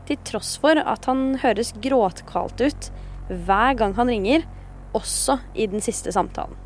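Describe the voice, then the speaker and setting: A woman's voice: medium pitch, darkish tone, a little hiss or hum. A woman host telling a true-crime story in a conversational, semi-scripted narration. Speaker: podcast host.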